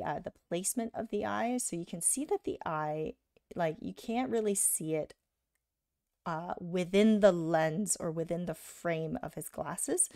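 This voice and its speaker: A woman giving a live drawing lesson, talking casually while she sketches and often checking in with "right?", a little hoarse from being sick. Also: on the low side, a little mellow, no echo, studio quality. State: slightly hoarse from illness. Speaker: art instructor.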